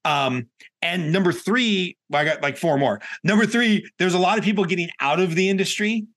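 A man's voice: high-pitched, normal speed, fairly bright tone. A man speaking as a guest coach on a podcast, giving candid, colloquial advice with emphatic repetition. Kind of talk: podcast interview, conversational advice.

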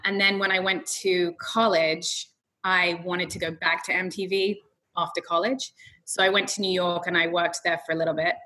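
A woman from London, England, with an English accent softened by an American twang, a realtor chatting as an interview guest. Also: on the low side, flat delivery, poor audio. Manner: chatty, quick storytelling. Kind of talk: casual interview answers.

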